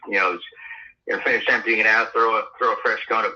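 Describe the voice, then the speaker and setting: A man's voice: on the low side, steady tone, quick pace, pushed and bright. A man selling his house talks on a phone call, hesitant and full of fillers and restarts. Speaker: home seller on a call. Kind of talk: phone conversation. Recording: tinny phone line.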